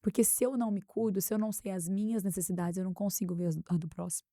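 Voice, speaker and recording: A woman with a Brazilian accent, speaking as a guest expert in an interview and telling anecdotes in a lively way. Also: mid-range voice, fast talker, dry recording, studio quality. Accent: Brazilian Portuguese. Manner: animated anecdote-telling, acts out quotes. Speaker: guest expert on workplace harassment. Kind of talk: conversational interview storytelling.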